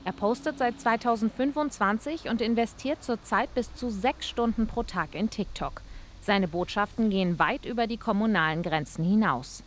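A woman narrating a scripted regional news report in an even, measured way. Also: medium pitch, slight background noise.

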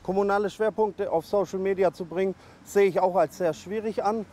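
A man's voice: high voice, steady tone, fairly quick, mellow. A man in his thirties, a local political candidate, talking bluntly and directly in an interview. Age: 30s. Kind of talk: interview statement.

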